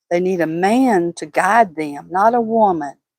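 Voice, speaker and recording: In a Southern accent, a woman speaks at a medium pitch with lively intonation, the sound dry and close with no echo. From Texas, Houston area. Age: 50s. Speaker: livestream host. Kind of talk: casual chat. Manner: halting.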